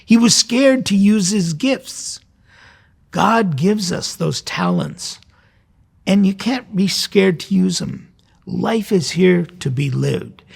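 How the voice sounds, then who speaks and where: Gravelly and husky yet high, this voice belongs to a middle-aged or older American priest from Southern California. As host, he gives a relaxed sermon full of personal anecdotes, reflecting aloud and asking rhetorical questions in a conversational manner.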